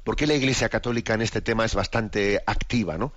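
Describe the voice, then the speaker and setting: A man's voice: lowish voice, a bit bright, dry recording, muffled recording. A man hosting a radio program, giving a spoken commentary full of restarts and tag questions. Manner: halting, many restarts and rhetorical "¿no?". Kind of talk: spoken commentary on faith and current events.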